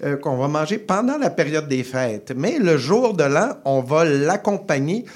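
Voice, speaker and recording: A man's voice: on the high side, very animated, measured pace. A man giving a casual food column on the radio, playful and chatty, with frequent hesitations. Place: radio studio.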